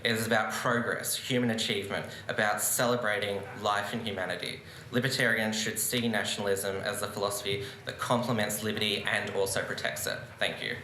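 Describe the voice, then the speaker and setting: A man's voice: lowish voice, fairly even intonation, a little fast, hardly any pauses, bright, forceful tone, a little hiss or hum. A young man giving an earnest, argumentative debate speech from a lectern at a conference. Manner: earnest, argumentative, gesturing while speaking. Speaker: debate speaker. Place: large conference room with seated audience. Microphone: lectern microphone on a stand. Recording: roomy conference hall echo.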